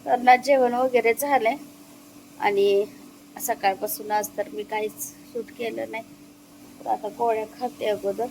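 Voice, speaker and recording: Chatty higher-voiced woman vlogging at home. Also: fairly even intonation, unhurried, gravelly, long pauses, noisy background. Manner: chatty, explaining chores as she goes, with many little fillers. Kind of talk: casual vlog narration. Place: at home, in her kitchen and yard.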